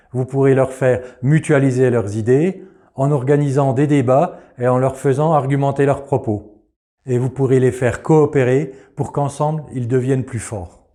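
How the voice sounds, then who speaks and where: A man giving a scripted narration for a teaching method presentation, clear and measured. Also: medium pitch, mellow.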